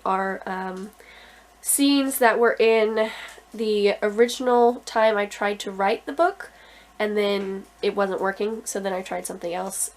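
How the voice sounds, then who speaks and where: A young adult woman with a stuffy, congested voice, talking casually about her writing and thinking aloud with lots of ums. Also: medium pitch. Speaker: author vlogger.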